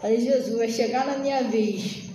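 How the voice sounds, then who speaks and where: A woman's voice: fairly high pitch, moderate pace, mellow, roomy sound, rough recording. A woman in her late thirties giving an informal, chatty sermon, often turning to address her listeners directly. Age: 30s. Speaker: preacher.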